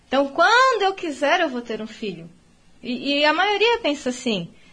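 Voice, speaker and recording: Raising and projecting her voice, a woman speaks at a high pitch and a moderate pace, with very wide pitch swings. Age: 30s. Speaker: history teacher and catechist. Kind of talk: casual chat; reading aloud.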